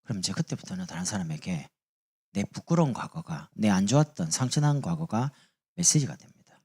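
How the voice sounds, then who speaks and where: A man's voice: lowish voice, sing-song, brisk, warm tone, breathy edge. A male pastor with a Gyeongsang accent preaching a sermon, emphatic and full of rhetorical questions.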